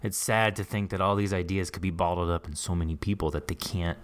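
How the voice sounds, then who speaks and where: A man hosting a relaxed, conversational interview, feeling his way through questions and rephrasing them as he goes. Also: low-pitched, a little fast. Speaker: podcast host interviewing a writer.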